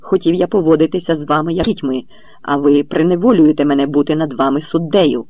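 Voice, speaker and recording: Man reading as a calm, thunderous commander. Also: on the high side, a little fast, no echo. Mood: stern, commanding. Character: stern older male commander, calm authority. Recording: dull lo-fi recording.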